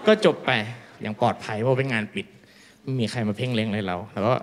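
A man's voice: on the low side, steady tone, quick pace. A man telling a crude, self-mocking stand-up story, acting out the dialogue. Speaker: stand-up comedian. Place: small live venue with audience.

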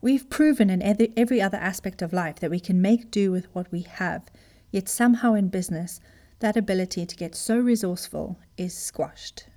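A woman's voice: mid-range voice, normal speed, mellow. A woman from Zimbabwe, a business coach, giving an earnest motivational talk that speaks straight to the listener. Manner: earnest, emphatic, direct address.

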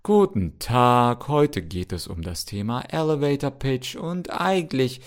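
A man's voice: medium pitch, big pitch swings, unhurried, voice pushed up. A man putting on the voice of a bored, unmotivated male online-course teacher, speaking in a droning way. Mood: listless.

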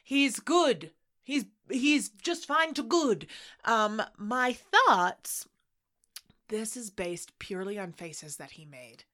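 Texan-raised woman, bright voice, animated storyteller, chatty podcast vibe. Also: fairly high pitch, takes it slowly. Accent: mostly neutral American with slight Texan traces. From Texas, USA. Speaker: podcast co-host. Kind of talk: casual chat about a film.

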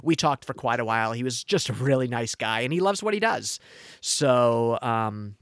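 A man's voice: mid-range voice, animated, moderate pace, dry recording. A man co-hosting a podcast in casual chat, effusive and full of fillers, with dry sarcasm. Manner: effusive, hesitant with many fillers. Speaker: podcast co-host.

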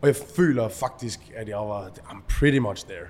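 A man telling stories in a casual podcast chat, animated and acting out shouted quotes. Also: lowish voice, big-room sound, slight background noise. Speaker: event organizer.

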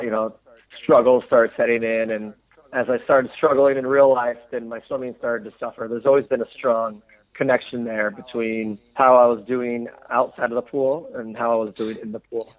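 A man from the United States talks things over in a reflective, halting way, full of pauses and restarts. His mid-range voice comes through a narrow, tinny phone-like line. The sound is dry, with no room around it. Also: mid-range voice, dry recording. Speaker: interview guest, former Olympic swimmer. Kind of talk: casual interview conversation.

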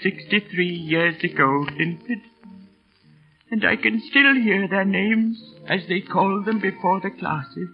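An actor playing a very old, kindly British schoolmaster who talks in a slow, faltering, wistful way, in classic radio drama style. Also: male voice, sits high, creaky. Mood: wistful reminiscing. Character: very old, kindly, absent-minded retired English schoolmaster. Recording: muffled old radio broadcast, music behind.

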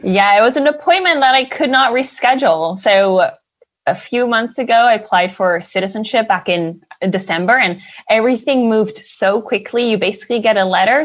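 A woman's voice: mid-range voice, fairly bright tone. Chatty young woman guest. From Netherlands. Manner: chatty, many fillers and laughs. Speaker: guest, financial advisor. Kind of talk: casual interview chat.

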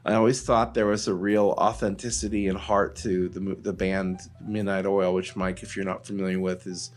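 A man's voice: low voice, level tone, normal speed. A man podcast host chatting casually in a rambling, joking way. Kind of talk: casual chat.

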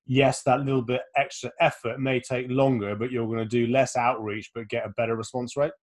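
A man hosting a podcast interview, talking in a relaxed, conversational way with frequent short affirmations and some hesitant fillers. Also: mid-range voice, a little fast. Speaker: podcast host.

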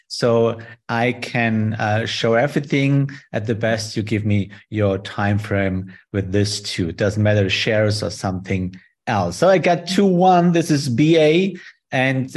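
A man from Germany with a German accent, speaking English as a second language. He presents a live online trading session and talks friendly and haltingly through charts, with many fillers, over a video call. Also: mid-range voice.

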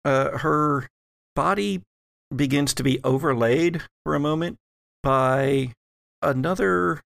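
Slow-talking, gravelly man running a game. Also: medium pitch, dry recording, clean studio sound. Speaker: game master. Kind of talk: narrating a tabletop horror game, improvised.

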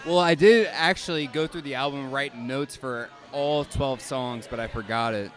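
A man with an average-pitched voice co-hosts a casual podcast. He talks in an easygoing way and hesitates with fillers. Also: moderate pace, a bit bright. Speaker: podcast host. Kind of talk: casual chat.

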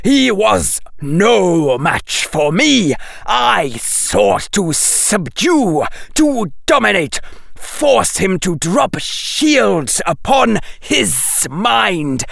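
A man's voice: high voice, big pitch swings, very slow, creaky, fairly bright tone, no echo, clean studio sound, pitched above the performer's own voice, heavily acted. A man voicing a cold, imperious male snake who hisses clipped, scornful commands with small words dropped. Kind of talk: audiobook character voice.

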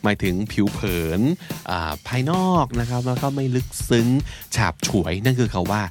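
A man's voice: mid-range voice, moderate pace, music in the background. Man co-hosting a vocabulary podcast. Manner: explains words in Thai, mixing in English terms. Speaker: podcast co-host teaching English vocabulary. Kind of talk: casual explanatory chat.

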